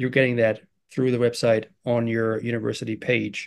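A man talks with a German accent at a medium pitch. His pace is moderate. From Germany. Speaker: podcast host. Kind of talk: scripted intro then interview chat.

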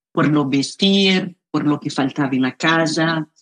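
In a very deep, low voice, a woman speaks fairly slowly, the sound dry and close with no echo over a quiet background. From Brazil, rural northern Minas Gerais. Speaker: entrepreneur. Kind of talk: interview. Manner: animated.

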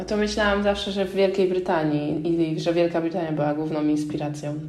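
A woman with a fairly low pitch, fairly quick pace and fairly even intonation, plus audible room echo. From Poland, Łódź. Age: 20s. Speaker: business student and secondhand clothing shop co-founder. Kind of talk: casual interview.

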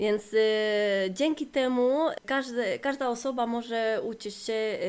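A woman with a Spanish accent, fairly high pitch and fairly even intonation at a very slow pace, in a very clean recording with a silent background. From Spain, Granada (Andalusia). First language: Spanish (speaking Polish). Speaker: Spanish teacher. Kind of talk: interview. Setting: family home in Granada. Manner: halting, with many fillers.

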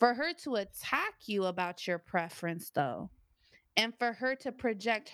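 At a fairly slow pace, a woman with a fairly high pitch and an American accent makes very wide pitch swings. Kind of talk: casual chat.

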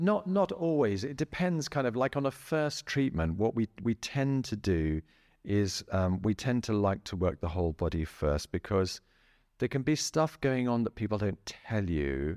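With a West Country accent, a man at a fairly low pitch talks at a moderate pace, his pitch swinging very widely, in a very clean recording with a silent background. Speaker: bodywork therapist. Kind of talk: casual interview.

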